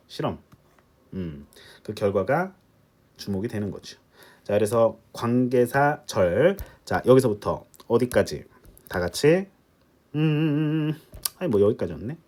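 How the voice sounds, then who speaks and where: A man's voice: medium pitch, darkish tone. A man teaching an English test-prep lecture in a chatty style, asking rhetorical questions and joking aside with his students. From Korea. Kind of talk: recorded online lecture.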